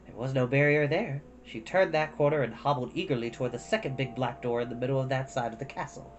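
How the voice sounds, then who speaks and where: A man's voice: mid-range voice, quick pace, highs cut off. A man hosting an online storytime, chatting casually and reading a storybook expressively. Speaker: host of an online storytime show. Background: background music.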